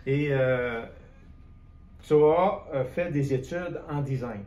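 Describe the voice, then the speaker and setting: A man's voice: medium pitch, slow, darkish tone. A man with a Quebec French accent hosting a conversational interview, recapping and checking with short questions. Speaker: host, renovation contractor interviewing a guest. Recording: roomy echo, noticeable background noise.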